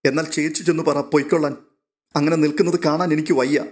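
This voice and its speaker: A man's voice: fairly high pitch, steady tone, quick pace, a little mellow, close to an everyday voice. Male reader as a young woman on the edge of tears, pleading. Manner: pleading and tearful. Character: tearful young woman torn over her lover.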